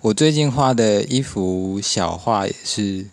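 A man's voice: fairly low pitch, expressive, a little slow, no echo. A man with a Taiwanese Mandarin accent chatting casually. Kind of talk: casual chat.

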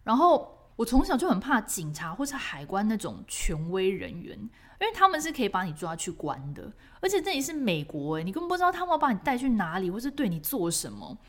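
A woman with a Taiwanese Mandarin accent hosts a storytelling podcast. Her voice is pitched in the middle range and swoops up and down a great deal as she tells her story with vivid expression. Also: very animated, fairly quick, hardly any pauses, a bit bright. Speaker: podcast host.

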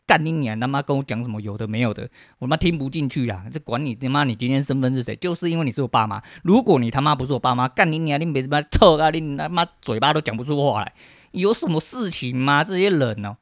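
A man's voice: medium pitch, fairly bright tone, no room sound. A man in his thirties with a Taiwanese Mandarin accent, hosting a solo podcast in a blunt, heavily profane way, his throat dry and scratchy. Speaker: podcast host. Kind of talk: casual solo podcast rant.

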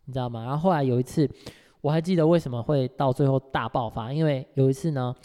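A man co-hosting a casual podcast, telling a workplace story in an animated way and acting out the people in it. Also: medium pitch, fast talker, big-room sound. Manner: animated storytelling, acts out quoted boss with loud outbursts. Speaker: podcast co-host.

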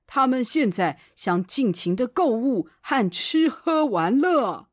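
Woman as a solemn, husky talking magic mirror. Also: on the high side, sing-song, no room sound, clean studio sound, heavily acted. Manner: formal, measured, explanatory.

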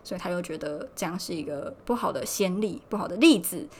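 A woman's voice: fairly low pitch, quick pace, slight background noise. A young woman from Taiwan hosting a casual solo podcast, chatty and retelling conversations. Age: young adult. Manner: chatty, recounts dialogue with animated quoted voices. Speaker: podcast host. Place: Poland.

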